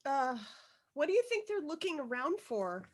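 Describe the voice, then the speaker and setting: A woman's voice: high voice, big pitch swings, moderate pace, crowd noise. A woman playing an earnest, anxious young schoolgirl in a script read, speaking hesitantly and politely. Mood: uneasy, curious. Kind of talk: virtual table read of a film script.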